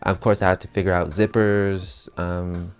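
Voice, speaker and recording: A man's voice: sits low, flat delivery, moderate pace. A young man talking casually about his sewing work as a bag designer, explaining each step. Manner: chatty, explains steps as he works.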